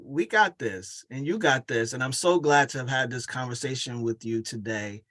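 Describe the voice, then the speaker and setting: A man's voice: mid-range voice, a bit bright. A man hosting a conversational interview, affirming his guest and speaking in motivational, coach-like phrases. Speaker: podcast host and coach.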